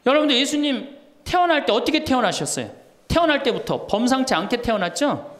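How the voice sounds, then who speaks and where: A man's voice: extremely high pitch, big pitch swings, a little fast, a bit bright. A middle-aged man, a Catholic priest, giving a humorous talk to an audience and acting out the voices in his stories. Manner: storytelling, acts out quoted voices, laughs along. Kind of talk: humorous lecture.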